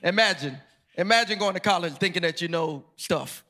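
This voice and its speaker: A man's voice: high-pitched, brisk, sharp tone. A middle-aged man, telling a playful, laughing story to a live audience as a guest author. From Georgia, USA.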